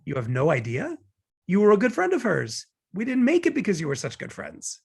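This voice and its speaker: Man playing cynical young guy, gravelly and husky, swooping intonation, glib, teasing, opinionated, romantic comedy table read. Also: high-pitched, wildly swooping pitch, a little fast, darkish tone, exaggerated voice. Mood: defensive, animated. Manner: glib, opinionated, rambling justifications.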